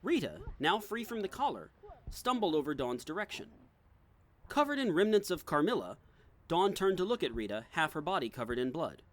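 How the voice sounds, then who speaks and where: A man's voice: a little high, big pitch swings, normal speed, a bit bright, a little hiss or hum. A man reading scripted, dramatic narration as the narrator of an audio drama.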